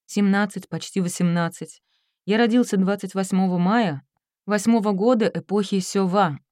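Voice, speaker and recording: A woman narrator voicing a reserved seventeen-year-old Japanese youth who gives quiet, clipped answers under questioning. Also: mid-range voice, moderate pace, no room sound, clean studio sound, natural voice. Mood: guarded.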